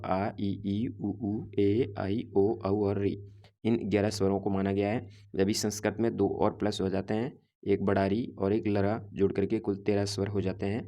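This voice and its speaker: A man giving a grammar lesson in a low voice. He keeps to a flat, even tone and explains step by step, reciting the letters one at a time. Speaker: teacher.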